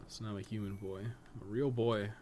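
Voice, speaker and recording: A man's voice: lowish voice, fairly even intonation, a little fast, a little mellow, a little hiss or hum. A man giving casual, rambling live-stream game commentary, swearing and joking with his chat as he plays.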